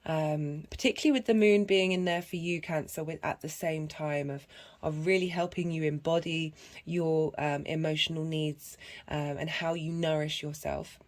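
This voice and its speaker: A woman with a husky voice and a cough, giving a rambling casual tarot and astrology reading full of fillers and restarts. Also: low voice, steady tone, normal speed. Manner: meandering, many fillers and restarts. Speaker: tarot reader.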